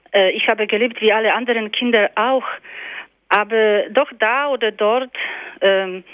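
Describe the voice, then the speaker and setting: A woman with a Polish accent recounts her life story as a nun, speaking carefully in German and pausing often with small fillers. Her voice comes through a thin, phone-like line that sounds completely dry. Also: on the high side, no room sound. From Poland. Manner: thoughtful, many hesitations and fillers. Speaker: guest, missionary nun. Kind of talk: personal testimony interview.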